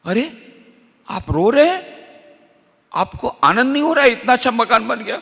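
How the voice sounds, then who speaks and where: A man's voice: extremely high pitch, sing-song, moderate pace, vocal fry, pushed and bright, breathy edge, in a large hall, voice pushed up, exaggerated voice. A man playing an eager, coaxing wife. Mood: delighted. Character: poor wife, then delighted with new riches.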